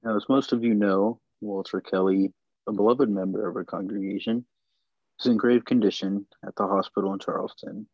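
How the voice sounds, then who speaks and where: A man reading the part of a small-town reverend addressing his church, measured and solemn. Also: lowish voice, fairly even intonation, no echo, highs cut off. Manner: measured, preaching. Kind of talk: script table read.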